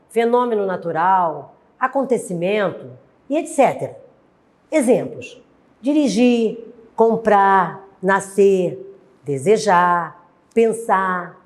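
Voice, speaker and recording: Woman, Brazilian Portuguese accent, teacher, slow deliberate delivery, animated intonation. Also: mid-range voice. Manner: slow and deliberate, dictating examples word by word. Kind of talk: recorded grammar lesson for adult students.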